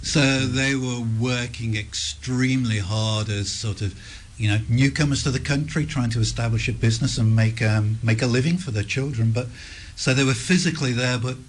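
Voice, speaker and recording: A man hosting a radio interview in a studio, speaking gently and summing up his guest's answers. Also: medium pitch, normal speed, slight background noise. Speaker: radio host. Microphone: studio microphone.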